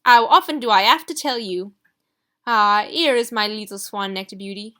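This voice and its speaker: A woman doing an excitable French seamstress. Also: medium pitch, moderate pace, natural voice. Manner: loud, excitable.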